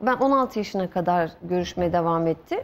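Here a woman is talking. Her intonation is lively. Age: 40s. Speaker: former addict turned addiction counselor; TV guest. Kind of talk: TV interview, personal testimony. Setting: TV studio. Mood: earnest personal storytelling. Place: studio.

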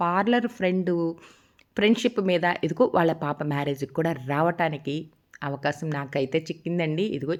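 A woman's fairly low voice, animated in tone, with lively intonation. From Andhra Pradesh, Chirala area. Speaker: vlogger and beautician. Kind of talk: vlog narration. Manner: chatty, animated.

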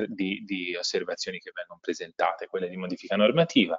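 A man talks over a quiet background. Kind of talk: formal meeting presentation. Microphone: video call.

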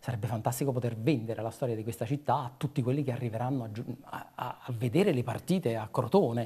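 A man's somewhat breathy, dark, mellow voice at a very fast pace, with ordinary pitch variation. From Campania, Italy. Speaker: art history professor and archaeologist. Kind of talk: interview about local history. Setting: TV studio. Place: studio. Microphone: lapel.

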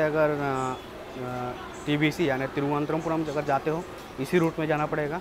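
A man's monotone, flat delivery at a fairly slow pace, with noticeable background noise. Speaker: travel vlogger. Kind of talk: casual vlog chat. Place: train. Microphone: phone near.

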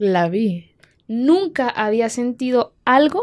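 A woman against a quiet background. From Mexico, Guadalajara; Jalisco, Mexico. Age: 20s. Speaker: singer; podcast guest. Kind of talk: interview. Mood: reflective, personal storytelling. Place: studio. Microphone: studio mic.

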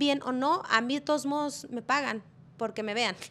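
Raising and projecting her voice, a woman with a Mexican accent speaks at a moderate pace in a high pitch, her tone bright and sharp and her intonation lively. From Mexico, Zacatecas. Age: 40s. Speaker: spiritual coach and tarot video creator; spiritual coach, tarot video creator. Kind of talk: motivational talk to camera. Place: home room. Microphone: lapel.

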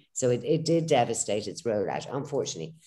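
A woman's very deep, low voice with a dark, mellow tone, fairly quick pace and ordinary pitch variation over a quiet background. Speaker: film director; guest. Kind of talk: Q&A conversation. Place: home room. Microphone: video call.

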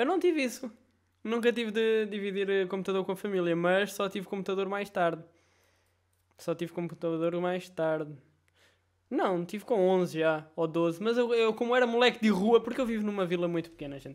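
Over a quiet background, a man with a high pitch speaks at a moderate pace with ordinary pitch variation. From Portugal. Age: 20s. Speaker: youtuber reacting to videos. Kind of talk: casual reaction commentary. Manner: animated.

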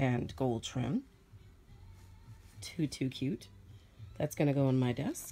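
A woman's very deep, low voice with ordinary pitch variation, faint music in the background. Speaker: haul vlogger. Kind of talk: casual vlog chat. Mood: pleased, upbeat. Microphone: phone near.

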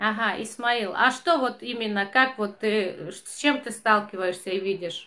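A woman's bright, sharp voice at a fairly high pitch and fairly slow pace, with big swings in loudness. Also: ordinary pitch variation. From Ukraine. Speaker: live stream host. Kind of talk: live call-in debate. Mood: calm, serious. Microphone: earbuds.

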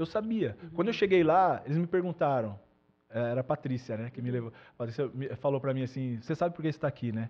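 Speaking at a very fast pace, a man with a fairly high voice uses lively intonation. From interior of São Paulo state, Brazil. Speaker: basketball coach. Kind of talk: casual interview. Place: studio. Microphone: studio mic.

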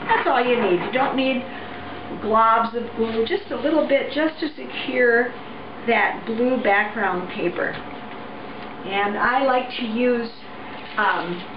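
The speech comes at a very slow pace with ordinary pitch variation, set against noticeable background noise. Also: woman, high pitch for a woman. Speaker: art teacher. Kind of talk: tutorial. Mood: warm, encouraging. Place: home room. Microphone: camera far.

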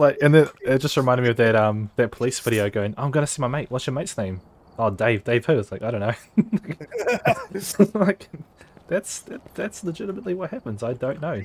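A fairly quick pace in a New Zealand accent, very wide pitch swings, long and frequent pauses, and dry sound with no echo. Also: man. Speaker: gamer streamer. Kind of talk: casual gaming chat. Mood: relaxed, amused anecdote.

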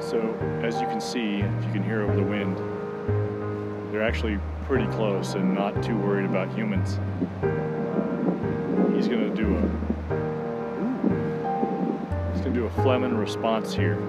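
Over loud background music, a man speaks at a moderate pace with long, frequent pauses, the sound dry with no echo. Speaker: travel vlogger filming wildlife. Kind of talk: casual vlog commentary. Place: open country. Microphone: phone near.

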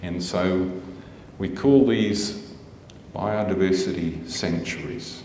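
In a very deep, low voice, a man talks at a very slow pace with ordinary pitch variation, amid light background noise and audible room echo. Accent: New Zealand. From New Zealand. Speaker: conservation scientist, professor. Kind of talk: lecture. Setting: stage with audience. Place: hall. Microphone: podium.

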